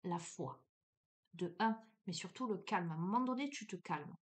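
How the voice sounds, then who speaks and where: A woman's voice: fairly low pitch, moderate pace. Chatty woman telling a personal story. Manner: chatty, animated, many fillers, addresses listener as tu. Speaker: spiritual guidance host.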